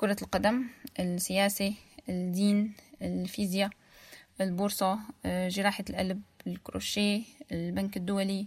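A woman with a Syrian accent, medium pitch and a somewhat breathy sound, at a fairly slow pace in a monotone, flat intonation with long, frequent pauses. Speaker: podcast host. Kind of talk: scripted monologue.

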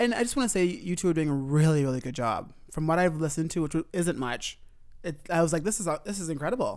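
Very fast and with lively intonation, a man with a Canadian accent speaks at a fairly high pitch on a very clean recording with a silent background. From Ontario, near Toronto. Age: 30s. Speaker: podcast guest. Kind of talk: casual chat.

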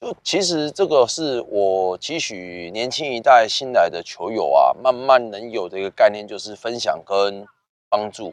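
The voice is a normal speaking voice with lively intonation and big swings in loudness. Its pace is fairly slow. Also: man, medium pitch for a man. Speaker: tennis coach. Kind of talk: interview.

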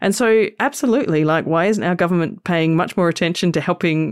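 In an Australian accent, a woman with a fairly low pitch and ordinary pitch variation talks at a very fast pace on a very clean recording with a silent background. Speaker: travel podcast host. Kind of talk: casual chat.

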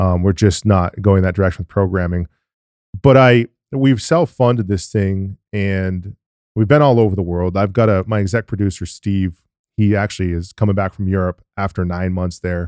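A man with an unremarkable speaking voice speaks at a fairly low pitch with ordinary pitch variation. The recording is very clean, with a silent background and a dry, close sound with no echo. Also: moderate pace. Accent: American. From New England, US. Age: 40s. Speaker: business founder. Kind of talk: casual chat. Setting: studio.

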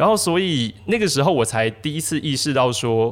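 A man's medium-pitched voice with very wide swings in pitch. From Taiwan. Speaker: former legal researcher. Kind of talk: casual chat.

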